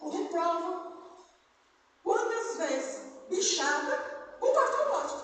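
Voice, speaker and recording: Very wide pitch swings, with audible room echo. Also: woman. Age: 60s. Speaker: preacher. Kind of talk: sermon. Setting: church. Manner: animated.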